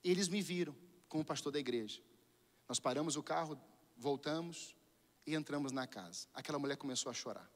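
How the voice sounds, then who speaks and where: Brazilian male pastor, high-pitched and bright, preaching in a reverberant church hall, swinging from hushed to fervent. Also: a little fast. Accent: Brazilian Portuguese. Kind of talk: sermon.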